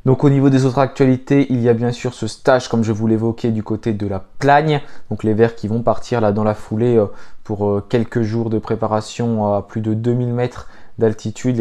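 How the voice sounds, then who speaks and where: A man's voice: medium pitch, dark tone. A French man hosting a football fan channel, talking through club news in a casual, hesitant way with many filler sounds.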